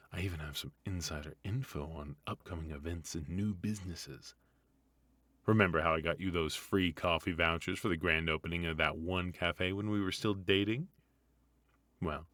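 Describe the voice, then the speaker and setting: A man's voice: deep voice, a bit bright, no room sound. A man playing a retired supervillain husband in a comedic ASMR roleplay, teasing and doting with a theatrical, conversational delivery. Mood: smug, chatty.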